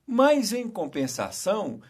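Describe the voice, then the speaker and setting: Male radio host, lively storyteller who acts out scenes, studio sound. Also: high voice, slow pace. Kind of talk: casual radio chat, storytelling.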